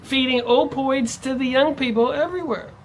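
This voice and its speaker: A man's voice: moderate pace, slight background noise. Man ranting in an emphatic monologue. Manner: emphatic, ranting, pitch jumping up on stressed words. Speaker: vlogger. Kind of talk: monologue to camera.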